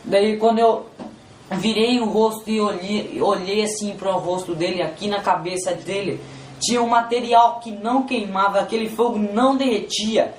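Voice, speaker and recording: A man tells a religious testimony in a halting, repetitive way, circling back over his words. His voice sits in a roomy space with a light echo. A faint ambience runs underneath. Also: sits high, a little hiss or hum. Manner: halting and repetitive, constantly addressing "Senhor". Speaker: testimony giver.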